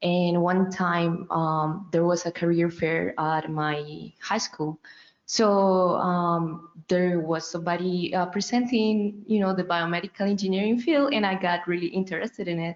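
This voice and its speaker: Speaking at a fairly slow pace with hardly any pauses, a woman with a Spanish accent has a fairly low pitch and fairly even intonation. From Colombia. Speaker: biomedical technician. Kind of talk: panel discussion.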